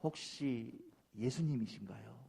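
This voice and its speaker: A pastor voicing an old blind woman street vendor who speaks slowly and pleadingly. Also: extremely high pitch, expressive, pitched above the performer's own voice.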